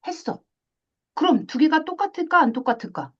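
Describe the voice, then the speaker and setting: A woman teaching a math class, lively, asking questions and acting out little scenes. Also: sits high, brisk, highs cut off. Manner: animated, asks questions and acts out little scenes. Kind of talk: classroom lecture.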